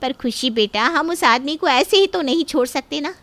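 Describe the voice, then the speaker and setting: A woman with a high, bright voice speaks sternly and forcefully. The close, dry recording keeps every word sharp. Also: lively intonation, moderate pace, no echo. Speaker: voice actor in an audio story. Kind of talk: dramatic storytelling dialogue.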